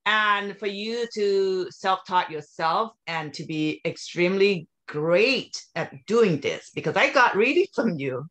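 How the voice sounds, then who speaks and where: A woman's voice: mid-range voice, expressive, slow, few pauses, a bit bright. A woman from Thailand hosting a casual interview over a video call, effusive and emphatic in how she talks. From born in Thailand. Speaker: interview host.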